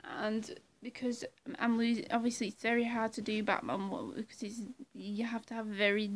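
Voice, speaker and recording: A woman's voice: on the high side, little pitch movement, moderate pace. A young woman chatting casually to her webcam in a small room, swearing and laughing often. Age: young adult. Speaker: vlogger. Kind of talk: casual vlog chat.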